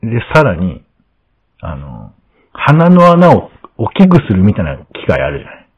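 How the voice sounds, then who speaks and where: A man hosting a podcast, chatting casually and telling a story in an animated way, acting out the lines of the people in it. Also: on the low side, moderate pace, husky. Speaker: podcast host. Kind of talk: casual chat. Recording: dull lo-fi sound.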